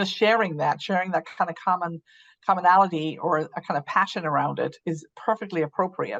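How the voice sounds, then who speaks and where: Speaking at a fairly quick pace with an Irish accent, a woman uses a medium pitch and ordinary pitch variation, the sound dry and close with no echo. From Ireland. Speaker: philanthropy advisor. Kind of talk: podcast interview. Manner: halting, many repetitions.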